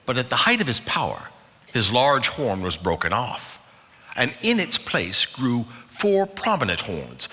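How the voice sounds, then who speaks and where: A man delivers a dramatic scripture reading in a large hall with long reverb. His voice is bright and forceful, swinging widely in pitch. He phrases everything theatrically, leaning hard on key words and pausing deliberately. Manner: emphatic, theatrical, with deliberate pauses. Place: large indoor conference hall.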